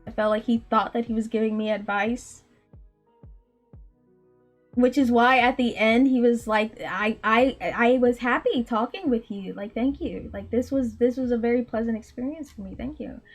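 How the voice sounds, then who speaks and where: A woman in her late twenties with a very high, small voice, telling a story in a casual chat full of laughs and fillers. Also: normal speed, faint music behind. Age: late 20s. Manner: animated, laughs often, frequent likes and ums. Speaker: indie game developer and streamer.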